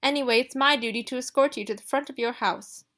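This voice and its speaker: A woman's voice: high voice, quick pace, a bit bright, voice pushed up. A woman voicing a fussy, indignant man who escorts the heroine, peevish and huffy. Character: fussy indignant male guardian, prim.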